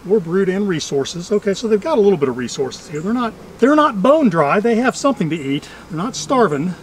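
Middle-aged male vlogger, high voice, chatty and dryly funny working commentary, outdoors with faint background buzz. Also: big pitch swings, a little fast, a little hiss or hum. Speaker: beekeeper and vlog host. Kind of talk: casual running commentary while working. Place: outdoors among trees at beehives.

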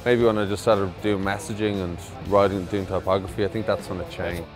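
A man's voice: low-pitched, flat delivery, a little fast. A man with an Irish accent, a visiting mural artist talking casually and rambling a little in an interview. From Ireland. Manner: easygoing, rambling with fillers. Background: music bed.

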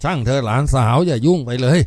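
A man voicing a calm, elderly district chief who placates his friend. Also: medium pitch, quick pace, no echo, close to an everyday voice. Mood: soothing.

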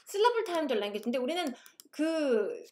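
A woman lecturer explaining English teaching, switching between languages and reading English passages aloud slowly. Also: high voice, big pitch swings, a little mellow, slight background noise. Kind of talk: recorded online lecture.

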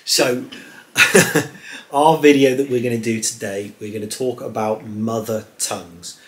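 A man's voice: mid-range voice, fairly even intonation, a little slow. Chatty Englishman on a home sofa. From England. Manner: chatty, explains things with gestures, laughs lightly. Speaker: channel co-host. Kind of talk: casual family vlog chat. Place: living room sofa at home. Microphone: fixed camera a few feet away.

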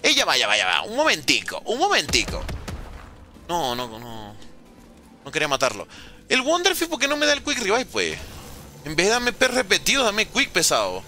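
A man with a Venezuelan accent and a very bright, sharp voice. His pitch is a bit high and jumps all over as he streams a game live. He chats with viewers and reacts quickly. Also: soft background music. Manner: lively, banters with chat, talks fast in bursts. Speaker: gaming streamer. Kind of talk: live gameplay commentary reading chat.

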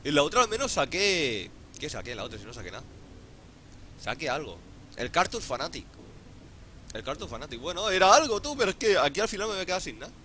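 A man with a Spain Spanish accent doing casual gameplay commentary, excitable, swearing often and pleading out loud. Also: a little high, fast talker, a little hiss or hum. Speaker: gaming YouTuber.

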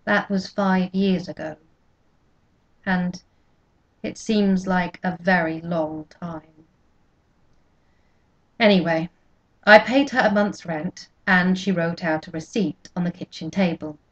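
Slow, low-voiced woman reading a novel. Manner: measured, quietly expressive reading. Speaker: audiobook reader. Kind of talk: scripted narration of a novel. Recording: dull lo-fi recording.

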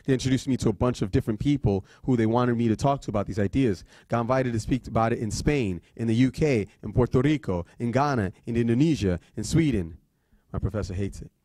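A man giving a talk, telling a personal story in an animated way that swings between loud and hushed. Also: medium pitch, fast talker, dry recording, clean studio sound. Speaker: guest speaker.

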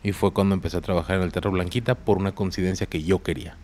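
A man's voice: sits low, very fast. A man with a Mexican accent, a podcast guest telling a story in slangy casual talk. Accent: Mexican Spanish. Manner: slangy, animated when quoting others.

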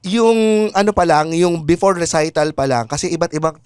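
Male comedy podcast co-host, slightly high voice, self-deprecating and jokey, dry close sound. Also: fairly quick, clean tone, no room sound. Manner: joking, self-mocking, laughs often. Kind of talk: casual comedic chat.

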